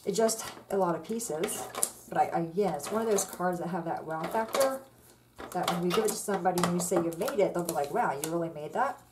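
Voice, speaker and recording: Woman, low-pitched, relaxed chatty craft tutorial, audible background noise. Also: brisk. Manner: chatty, relaxed, step-by-step instructions with fillers. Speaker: card-making tutorial host. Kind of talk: casual crafting demonstration. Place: indoors at a craft table. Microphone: overhead camera on the tabletop, hands only.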